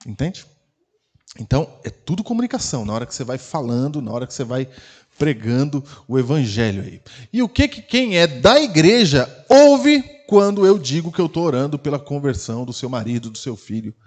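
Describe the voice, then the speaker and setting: A man with a Brazilian Portuguese accent, preaching a sermon as pastor in a conversational way, full of rhetorical questions and sharp swings between quiet and loud. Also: medium pitch, big pitch swings, brisk. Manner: loudness rises and falls sharply. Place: church.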